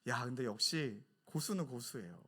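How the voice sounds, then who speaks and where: A male pastor preaching a sermon, telling a story with animated delivery and acted-out quotes. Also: medium pitch, normal speed, slightly rough. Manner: animated storytelling, acts out friends' quotes with laughter.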